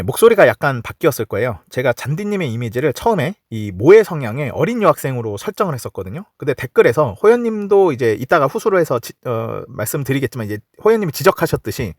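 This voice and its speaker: A man's voice: fairly high pitch, dry recording, studio quality. A man hosting a casual football podcast, rambling with many fillers and restarts. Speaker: podcast host.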